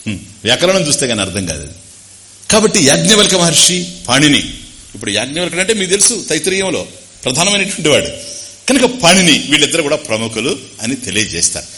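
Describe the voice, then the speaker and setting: A man with a Telugu accent giving a discourse on scripture, explaining Sanskrit terms slowly and repeating phrases. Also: on the high side, sing-song, bright, forceful tone. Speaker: spiritual teacher.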